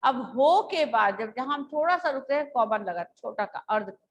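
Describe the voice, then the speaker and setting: A woman school teacher giving an online class lecture, explaining patiently and slowly with examples over a video call. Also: on the high side, expressive, highs cut off.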